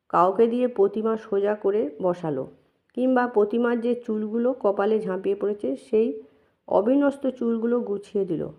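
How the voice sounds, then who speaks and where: Gravelly-voiced woman reading a memoir. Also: medium pitch. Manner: calm, measured, reflective. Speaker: narrator. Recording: dull lo-fi recording.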